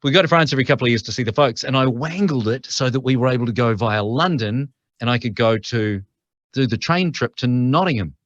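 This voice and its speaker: A middle-aged New Zealand man, guesting on a podcast, tells stories in a chatty, casual interview, restarting his sentences often. His voice is medium in pitch and brisk. The sound is lo-fi but has no echo.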